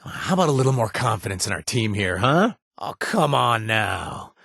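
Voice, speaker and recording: An actor playing a gruff, washed-up ex-raider who now runs a bar, sardonic and joking one moment, earnest and grateful the next, in video game voice lines. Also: male voice, fairly low pitch, very animated, normal speed, a bit bright, dry recording, clean studio sound, heavily acted. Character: gruff washed-up male ex-raider bartender, wry. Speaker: game companion character.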